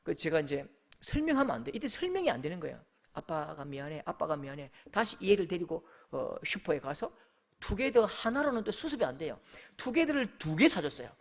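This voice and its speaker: A middle-aged male pastor preaching a sermon, telling a story with lively acted-out voices. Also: high-pitched, brisk. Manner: animated storytelling, acting out quoted voices. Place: church sanctuary.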